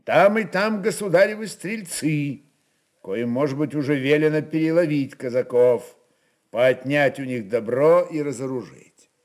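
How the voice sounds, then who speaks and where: A man narrating historical fiction in a dramatic, deliberate style with weighty pauses. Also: fairly high pitch.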